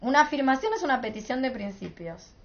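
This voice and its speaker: A woman's voice: animated, brisk, crowd noise. Argentine woman teaching philosophy, muffled. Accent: Rioplatense Spanish. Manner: emphatic, rhetorical, asks "entendés?" often. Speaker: workshop teacher. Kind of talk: informal philosophy class. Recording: muffled low-fidelity recording.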